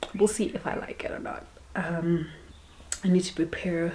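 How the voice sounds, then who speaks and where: Noticeable background noise sits behind a woman with a fairly low pitch. She speaks at a moderate pace with fairly even intonation. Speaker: book vlogger. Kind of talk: casual vlog chat.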